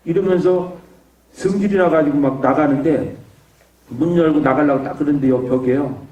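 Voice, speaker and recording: Man telling a lively church testimony, echoey hall. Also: a little high, far from the mic. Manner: animated storytelling, acts out shouted quotes. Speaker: evangelist giving testimony. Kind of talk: testimony at a revival meeting. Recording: echoey hall, mic from afar.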